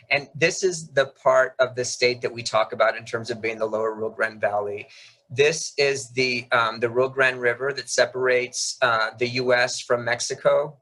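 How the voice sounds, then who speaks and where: A man's voice: mid-range voice, pushed and bright, low-quality recording. A man in his fifties from South Texas, a native Spanish speaker, giving an informal, explanatory presentation in a conversational, slightly hesitant manner. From South Texas, United States. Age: 50s. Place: video call while screen sharing.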